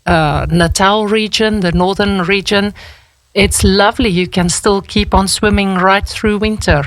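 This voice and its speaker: A South African woman whose first language is Afrikaans, explaining things in a measured, conversational way as a radio interview guest. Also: mid-range voice, steady tone, no echo, low-quality recording.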